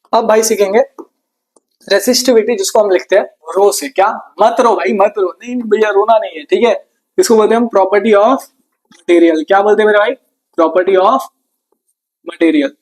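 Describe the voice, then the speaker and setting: A man teaching a rapid exam revision lesson in a casual, brotherly tone. He asks questions, answers them himself and adds jokes and memory tricks. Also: high voice.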